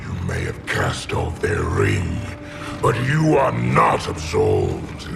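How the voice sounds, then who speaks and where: Gravelly alien rage warlord. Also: male voice, wildly swooping pitch, heavily acted. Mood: menacing. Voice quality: deep gravelly growl. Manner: slow, shouted menacing declarations. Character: raging alien male warlord, vengeful. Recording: loud music score behind. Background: loud orchestral score.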